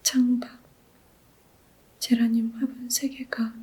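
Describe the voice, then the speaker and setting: A soft-spoken whisper at a very slow pace, with noticeable background noise. The tone is soothing. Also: woman. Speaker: actress, regular book-reading narrator. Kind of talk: whispered book reading for ASMR. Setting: studio ASMR recording. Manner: whispered, soft, soothing.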